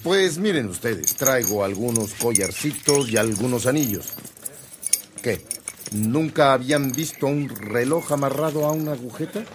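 An actor playing a wry, devout Catholic priest who poses as a peddler, in Mexican-accented radio drama. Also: male voice, mid-range voice, expressive, normal speed, a little hiss or hum, lightly acted. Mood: wry, folksy. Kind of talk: Spanish-language radio drama acting.

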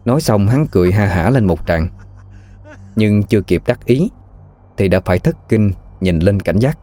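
A man narrating a ghost story in a steady, even storytelling manner. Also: on the low side, moderate pace.

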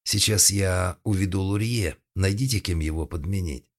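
Stern bossy woman as a deep-voiced man reads her, curt, clipped orders, audiobook character. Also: moderate pace. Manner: curt and authoritative. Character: stern, commanding adult woman.

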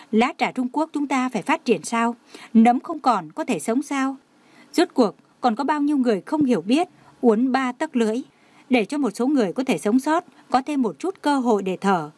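Defiant tearful young heroine, woman reader, bright-pitched, dry read. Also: no room sound. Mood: tearful indignation. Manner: indignant, pleading.

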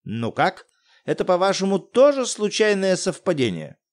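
A man's voice: high-pitched, wildly swooping pitch, moderate pace, voice pushed up. Man voicing a teasing young lab assistant, lightly raised, storybook. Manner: teasing, mock-solemn.

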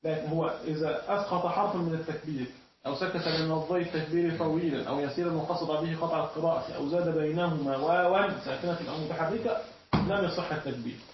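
A man teaching a classroom lesson, often pausing mid-sentence so his students can finish his words. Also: on the high side, steady tone, slight background noise. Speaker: teacher of Islamic jurisprudence. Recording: echoey, distant, dull room recording.

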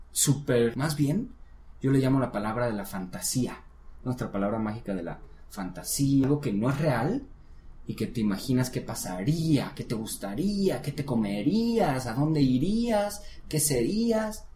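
A man's voice: medium pitch, lively intonation, normal speed, darkish tone. A man tutoring a student in English, explaining step by step in a patient, encouraging way. His voice sits in a middle register, and the room around him adds a noticeable echo. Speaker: English teacher. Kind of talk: one-on-one language lesson. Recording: roomy echo.

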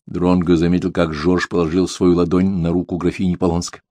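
Deep-voiced male audiobook narrator. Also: level tone, a little fast, warm tone, dry recording. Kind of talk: scripted narration.

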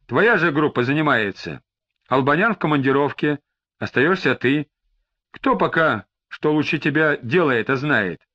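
Man doing a stern frowning police chief, brisk commands, lively pitch, dull lo-fi sound. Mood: firm. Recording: slightly dull lo-fi recording.

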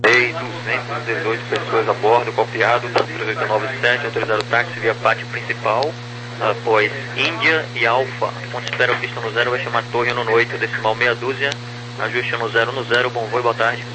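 Brazilian atc guy on crackly radio, lots of hum and static, clipped procedural clearances. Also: mid-range voice, level tone, a little fast. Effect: crackly aviation radio. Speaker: air traffic controller. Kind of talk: radio clearance phraseology, spelling with phonetic alphabet. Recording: noisy, humming air-band radio transmission.

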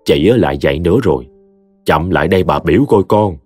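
A man voicing a gentle, kindly elderly woman who talks slowly. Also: low-pitched, no echo, soft background music. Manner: slow, gentle. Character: kindly elderly great-grandmother, soothing.

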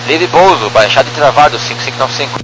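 A man's voice: medium pitch, animated, quick pace. A male pilot talking over the radio in clipped, terse phraseology, reading back numbers. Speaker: airline pilot. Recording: noisy radio transmission.

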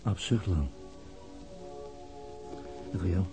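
An actor playing a weary, brooding, middle-aged police detective in a radio drama, with reflective, halting phrasing. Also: male voice, sits low, over music. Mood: tender, reserved. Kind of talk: naturalistic Dutch radio drama acting.

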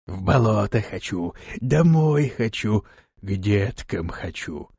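A man's voice: lowish voice, animated, slow pace, vocal fry, darkish tone, husky, no echo, studio quality, exaggerated voice. A man voicing a whiny, wailing swamp kikimora creature in an audiobook. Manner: whiny, pleading.

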